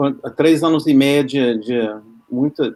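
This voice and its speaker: A man speaks with an English accent at a fairly high pitch. His pitch variation is ordinary. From United States. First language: English (speaking Portuguese). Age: 60s. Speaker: historian and activist. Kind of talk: online interview.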